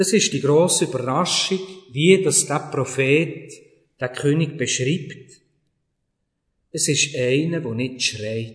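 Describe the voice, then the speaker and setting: Pausing long and often, a man with a fairly high pitch and a somewhat breathy voice talks at a very slow pace. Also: ordinary pitch variation. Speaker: pastor. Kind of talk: sermon.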